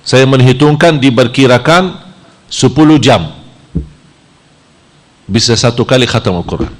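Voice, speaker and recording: This Saudi Arabian man delivers a sermon with real energy, and his pitch shoots upward whenever he acts out scenes of temptation.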